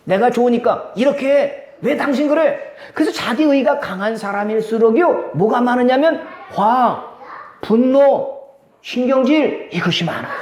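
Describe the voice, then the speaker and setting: A male pastor giving a Sunday sermon, animated and conversational, often asking the congregation questions. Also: very high voice. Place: church sanctuary. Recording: echoey church hall.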